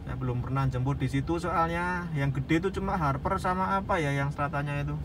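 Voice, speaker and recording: A man's voice: fairly high pitch, brisk. A man with a Javanese regional accent chatting casually and informally to viewers as a driver vlogging on the job. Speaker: ride-hailing driver and vlogger. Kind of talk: casual vlog chat while driving. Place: inside a car driving through streets. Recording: clear car and road noise.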